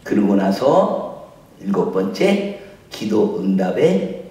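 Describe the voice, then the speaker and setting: A man preaching at a revival meeting as pastor, acting out conversations and breaking into shouts. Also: fairly low pitch, takes it slowly. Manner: animated, shouts and acts out dialogue. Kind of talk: revival sermon. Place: large church revival meeting. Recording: echoey hall, mic from far off.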